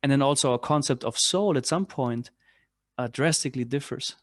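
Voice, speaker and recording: A man leading a class on spiritual philosophy, speaking in a halting way with many restarts and fillers. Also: medium pitch, no room sound, studio quality. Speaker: class leader. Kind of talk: spiritual lecture with discussion.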